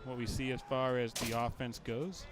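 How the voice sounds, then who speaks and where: Brisk male play-by-play football announcer. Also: medium pitch, flat delivery, noisy background. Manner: brisk, joking.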